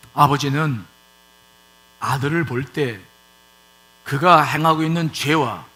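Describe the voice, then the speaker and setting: A man's voice: a little high, a bit bright. A male pastor preaching a sermon in a church, asking rhetorical questions and repeating points for emphasis. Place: church sanctuary.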